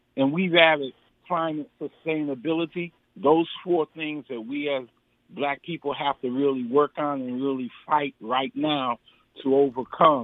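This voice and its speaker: A man with an American accent has an ordinary speaking voice and a fairly high pitch. He speaks at a fairly slow pace with fairly even intonation. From Connecticut. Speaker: pastor and civil rights organization leader. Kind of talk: radio interview.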